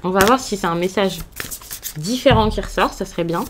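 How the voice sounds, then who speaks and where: A woman's voice: mid-range voice, a little fast, noisy background. A woman from France giving a casual tarot reading to camera, hesitant with frequent fillers and restarts, in a reassuring tone. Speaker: tarot card reader.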